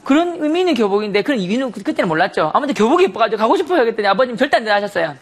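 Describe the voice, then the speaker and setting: A man's voice: very high voice, very animated, very fast. A man giving a sermon testimony, telling a story animatedly with frequent laughter and rhetorical questions.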